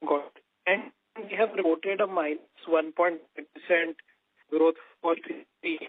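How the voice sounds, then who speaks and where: A male analyst puts questions politely and formally. His voice is a bit high for a man, heard over a dry, narrow telephone connection. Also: steady tone, a little slow, no echo. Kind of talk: earnings call questioning. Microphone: phone. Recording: narrow, dry phone line.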